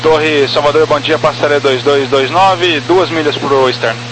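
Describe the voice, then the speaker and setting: A man's voice: on the high side, steady tone, normal speed. A male airline pilot speaking over the aviation radio in clipped, matter-of-fact readbacks. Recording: distant noisy radio transmission.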